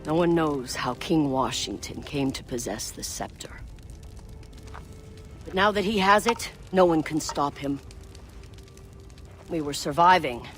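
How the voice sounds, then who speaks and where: A stern elder tribal woman from a dramatic video game. She guides with solemn, deliberate authority and urgency. Music plays faintly behind her. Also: fairly low pitch, fairly bright tone. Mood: grave. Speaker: game character giving guidance.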